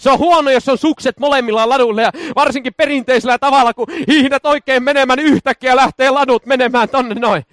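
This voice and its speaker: High-voiced exuberant preacher man. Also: fairly even intonation, few pauses, no room sound, studio quality. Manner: exuberant, shouts hallelujahs, laughs often, folksy asides. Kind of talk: charismatic sermon.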